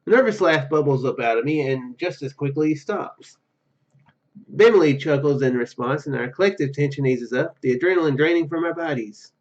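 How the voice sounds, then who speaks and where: A man's voice: fairly high pitch, normal speed, darkish tone, dull audio. A man reading a visual novel aloud and commenting casually, often stumbling over his words. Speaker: gaming YouTuber.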